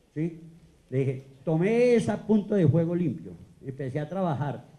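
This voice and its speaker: Somewhat breathy with a dark, mellow tone, a man talks at a fairly slow pace with lively intonation. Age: 60s. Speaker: educator. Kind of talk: panel discussion.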